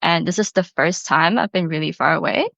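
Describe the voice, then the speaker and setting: A woman's voice: lowish voice, brisk, creaky, fairly bright tone, dry recording. A woman in her early twenties with an Indonesian accent, telling her own story casually as a podcast guest, in a chatty, informal way peppered with "like". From Bali, Indonesia. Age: early 20s. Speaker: podcast guest, university student. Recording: slightly dull, lo-fi audio.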